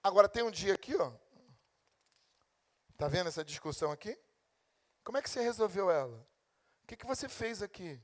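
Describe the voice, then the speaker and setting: A man's voice: sits high, fairly quick, long pauses. A man preaching a sermon as a pastor with a Brazilian Portuguese accent, acting out God and his congregation in turn. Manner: animated preaching, acting out God and complaining believers.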